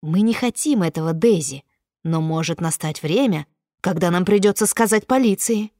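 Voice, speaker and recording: A woman voicing a smooth-talking male federal agent who keeps pressing his case, in an audiobook reading. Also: lowish voice, lively intonation, moderate pace, dark tone, no echo, clean studio sound. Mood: persuasive.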